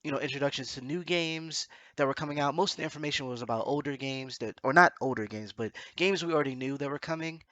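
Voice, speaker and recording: Male host, bright forceful voice, slightly stuffy nose, rambling casual chat, very dry recording. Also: mid-range voice, quick pace, hardly any pauses, no echo, dull audio. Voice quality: congested nose from allergies. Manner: hesitant, self-correcting, rambling. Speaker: podcast host.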